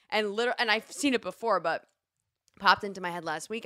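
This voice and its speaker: Bright and sharp in tone, the voice carries a New Jersey accent with ordinary pitch variation, recorded very cleanly against a silent background. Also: woman. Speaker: podcast co-host. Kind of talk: casual chat.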